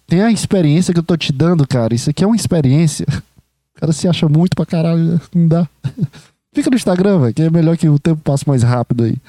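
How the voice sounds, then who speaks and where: A young man rambles through his own podcast, excitable and swearing freely as he talks straight at the listener. His voice sits a little high for a man yet sounds very warm and mellow. The recording is dry, with no room around him. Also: fast talker, no echo. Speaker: podcast host. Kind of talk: rambling casual monologue.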